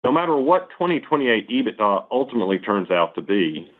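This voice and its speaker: Over a narrow, phone-like connection, a middle-aged man speaks in a low-pitched voice. He sounds like a company executive reading prepared remarks, setting out each point formally and methodically. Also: very animated. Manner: formal, measured, enumerating points. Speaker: company executive on earnings call. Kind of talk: scripted corporate presentation. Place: conference call line.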